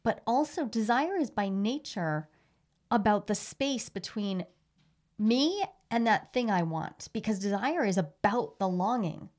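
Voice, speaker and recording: A woman in casual conversation, animated, explaining ideas and often restarting her sentences. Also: mid-range voice, a little slow.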